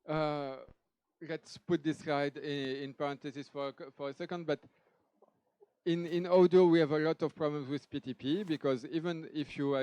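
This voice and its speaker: Male speaker with a French accent presenting at a conference: lively, chatty, clean resonant voice, close and dry. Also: fairly high pitch, dry recording. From France. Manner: lively, with restarts and asides. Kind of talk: technical conference talk. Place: conference hall stage.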